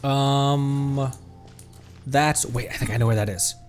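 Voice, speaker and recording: A man's voice: mid-range voice, fairly even intonation, slow pace. A man giving casual, joking, sarcastic commentary as he streams a game. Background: faint game music.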